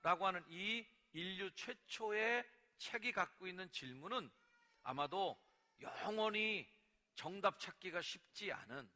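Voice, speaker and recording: A man preaching a Sunday sermon as pastor of a church, lively and at times acting out angry cries to God. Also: sits high, a little slow. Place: church sanctuary. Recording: long reverb of a church sanctuary.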